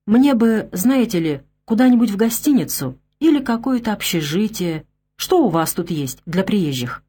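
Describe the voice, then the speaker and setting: A man's voice: high voice, very animated, moderate pace, dark tone, slightly rough, full character voice. Woman reading as a tactful young officer. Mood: polite. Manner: polite, tactful. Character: polite young male officer newly arrived.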